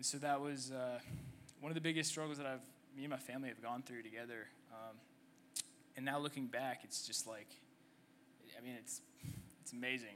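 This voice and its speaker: At a fairly quick pace with long, frequent pauses, a man at a medium pitch keeps a fairly even intonation amid audible room echo. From Atlanta, Georgia. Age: 20s. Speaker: church member sharing testimony. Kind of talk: testimony. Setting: stage with audience. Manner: halting, many fillers.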